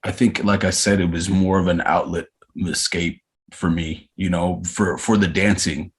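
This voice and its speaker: Podcast guest, man in his 30s from Arizona, very low voice, thoughtful and hesitant delivery. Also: fairly even intonation, slightly rough. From Arizona, USA. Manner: reflective, unhurried, frequent hesitations. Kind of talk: casual interview chat.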